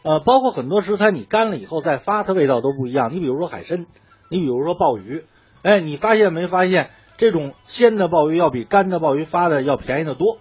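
A man with a Beijing accent talks in a colloquial, storytelling way, often posing a question and answering it himself. His voice is husky and swings widely in pitch. The sound is dry and somewhat muffled. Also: expressive, fast talker, a little mellow, no room sound. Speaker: food writer guest explaining dishes. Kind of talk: conversational explanation of traditional cooking.

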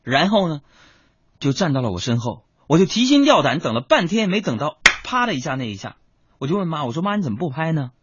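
A man's voice: on the high side, sing-song, a little fast, slightly rough. A young man hosting a radio show, telling comic stories about his family in a playful voice and acting out their voices. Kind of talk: comic storytelling monologue. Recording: dull lo-fi radio recording with music.

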